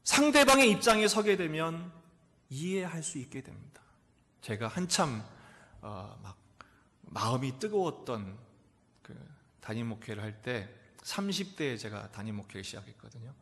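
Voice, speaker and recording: A middle-aged male pastor preaching a sermon in a church, asking rhetorical questions and answering them, swinging from loud exclamations to near whispers. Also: mid-range voice, expressive, normal speed. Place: church sanctuary. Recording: echoey church hall reverb.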